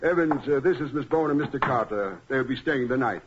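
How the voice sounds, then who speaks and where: An actor playing a nervous, courteous gentleman host, flustered and hesitant, in 1940s radio style. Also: mid-range voice, fast, natural voice. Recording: muffled, noisy 1940s radio recording.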